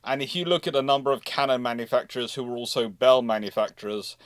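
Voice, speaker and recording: A man's voice: medium pitch, fairly even intonation, quick pace, clean tone, no echo, studio quality. A man hosting a casual live chat, speaking emphatically and digressively, with repeated words as he gets going. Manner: emphatic, stammering repetitions, digressive. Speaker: livestream host.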